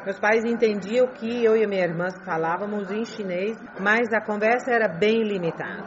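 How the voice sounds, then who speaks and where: A middle-aged woman whose first language is Chinese, answering interview questions in a halting way, repeating phrases and restarting words. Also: medium pitch. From grew up in Beijing, China. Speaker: interview guest. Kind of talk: conversational interview. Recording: muffled with crowd murmur behind.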